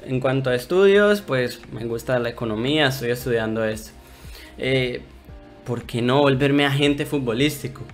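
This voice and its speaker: A man's voice: mid-range voice, moderate pace, faint music behind. A man hosting a casual interview, chatty, asking long winding questions. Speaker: interview host.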